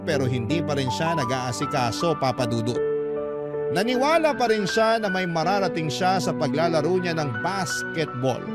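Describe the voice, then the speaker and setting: A man's voice: fairly high pitch, lightly acted. A man narrating as a young woman who earnestly confides her relationship troubles to a radio host. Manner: earnest, confessional. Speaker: letter-sender narrator. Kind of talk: dramatized first-person letter reading. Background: loud background music.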